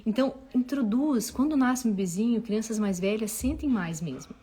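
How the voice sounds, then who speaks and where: A woman giving parenting advice to an audience in a casual, expressive talk. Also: on the high side, normal speed, breathy edge. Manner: expressive, acts out dialogue with children. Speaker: parenting advice speaker and mother.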